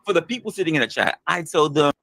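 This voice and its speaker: A man in a stream clip giving a fast, defiant, profane monologue. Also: fairly high pitch, very animated, creaky, a bit bright, no room sound.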